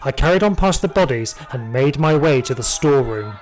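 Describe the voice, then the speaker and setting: A man's voice: medium pitch, lively intonation, brisk, slight background noise, natural voice, rough recording. A man playing a hardened, trigger-happy security guard, telling his story in dramatic first-person audio drama narration. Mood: grim, fearful.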